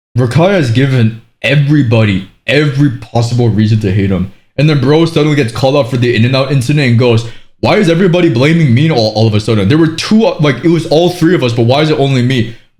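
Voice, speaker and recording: A man at medium pitch talks at a very fast pace in a somewhat breathy voice, with lively intonation and very even loudness. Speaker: streamer reacting to videos. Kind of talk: casual reaction commentary. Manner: animated.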